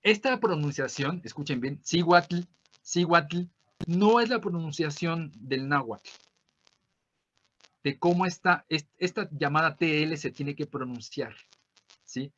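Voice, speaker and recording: A man with a Mexican accent teaching an online language class, explaining things with frequent tag questions and slowly repeating words to model their pronunciation. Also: a little high, expressive, a bit bright, muffled recording. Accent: Mexican Spanish.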